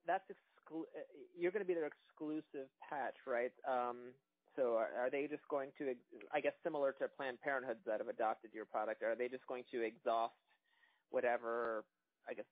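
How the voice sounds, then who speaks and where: A man's voice: medium pitch, no echo. A man on a phone conference call asking an analyst's questions in a hesitant, meandering way. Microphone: telephone conference call. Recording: tinny phone line.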